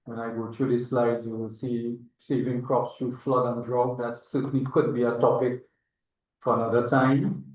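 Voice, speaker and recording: A man's voice: medium pitch, little pitch movement, moderate pace, darkish tone. An older man with a Trinidadian accent gives an informal conference presentation as an agronomist, speaking in a hesitant, reflective, digressive way. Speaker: agronomist and institute chairman, presenter. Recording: echoey, distant, dull online-meeting audio.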